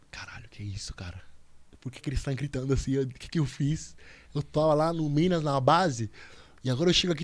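Animated young man, higher voice. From Cuba. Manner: animated, slangy, full of restarts and repetition. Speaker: podcast guest, volleyball player. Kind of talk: casual storytelling chat.

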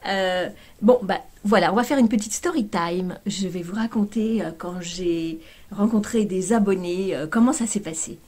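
A woman's voice: mid-range voice, normal speed, a little mellow, slight background noise. Chatty woman telling a storytime. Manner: chatty, lots of fillers and exclamations. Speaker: YouTuber. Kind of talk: casual storytime vlog.

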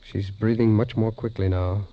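An actor playing a doctor's haunted, hesitant associate in a 1940s radio drama. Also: male voice, on the low side, fairly even intonation, moderate pace, lightly acted. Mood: tense, halting. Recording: muffled vintage 1940s radio recording.

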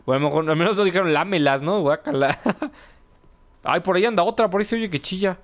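A man's voice: sits high, fast talker. A young man with a Mexican accent, casually commentating a video game, reading chat messages aloud and laughing often. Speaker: gameplay streamer. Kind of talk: casual live gameplay commentary.

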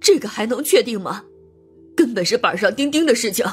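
Actress doing a bossy bitter older mom in audio drama, really husky, snide and ranting. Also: female voice, a little high, animated, a little fast, faint music behind. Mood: indignant, scornful. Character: bitter, domineering, sharp-tongued older mother of a murdered daughter.

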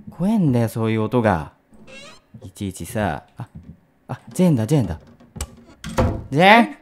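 A young man playing a horror game, chatting to himself, shouting at scares and scolding the monster. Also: mid-range voice. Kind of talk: let's play commentary. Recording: game music behind.

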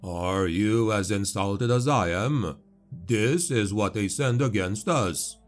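Guy doing big armored chaplain, slow and booming, sneering at the enemy, low voice. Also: soft background music, lightly acted. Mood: scornful. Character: armored male warrior-chaplain, contemptuous, commanding. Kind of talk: audiobook character voice.

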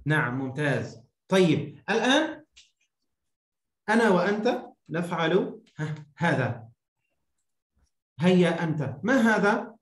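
A man teaching a beginner language lesson over a video call, enunciating deliberately, prompting and repeating. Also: high-pitched, very animated. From Egypt. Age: 30s. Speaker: Arabic teacher. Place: small indoor room, video call. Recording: roomy echoing online-call sound.

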